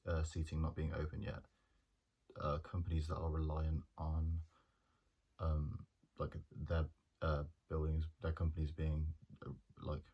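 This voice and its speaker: A young man, a journalism student talking through his plans in a hesitant, monotone way with many pauses and restarts. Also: a bass voice, slightly rough. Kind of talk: casual reflective monologue.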